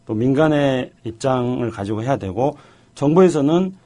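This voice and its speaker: A man's voice: medium pitch, expressive, moderate pace, mellow. A middle-aged man as a talk show guest, telling stories in a joking, self-deprecating way. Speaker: guest, policy director.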